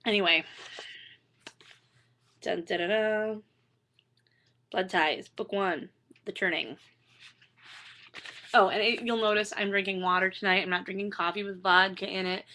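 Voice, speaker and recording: Hoarse, chatty woman. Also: medium pitch, steady tone, a little slow, pauses often, bright, forceful tone. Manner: self-deprecating, chatty, lots of fillers and restarts. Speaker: author reading her book. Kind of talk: casual rambling chat.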